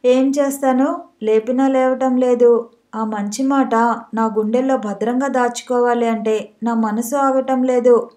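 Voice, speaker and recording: Give me a woman voicing a teasing young wife in an audiobook story, higher voice. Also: fairly even intonation, measured pace, warm tone, lightly acted. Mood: coaxing. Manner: coaxing, mischievous.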